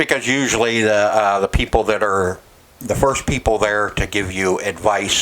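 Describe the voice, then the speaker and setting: Over noticeable background noise, a man with a fairly low pitch talks at a fairly slow pace with fairly even intonation. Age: 60s. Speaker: YouTuber, retro gaming and arcade repair. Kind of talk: personal vlog monologue. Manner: halting, many fillers and restarts.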